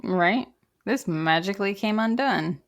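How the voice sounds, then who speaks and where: A woman's voice: medium pitch, unhurried. Female podcast co-host, mid-range voice, casual and wry, supplying joking interjections to a true crime story. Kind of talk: casual chat with quips.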